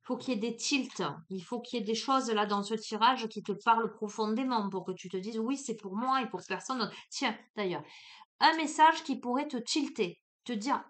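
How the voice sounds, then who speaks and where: A woman with a sing-song Marseille accent gives a relaxed tarot card reading, talking right to the viewer as if to a friend. Her voice sits somewhat high, and her delivery is chatty and familiar. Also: normal speed. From Marseille, France. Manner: chatty and familiar, speaks straight to the viewer, peppers lines with "hein".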